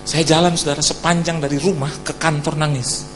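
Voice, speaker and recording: Man, pastor, animated storytelling sermon, high voice, reverb from a large hall. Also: fairly quick, background noise. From Indonesia. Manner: animated storyteller, shouting and near tears at peaks.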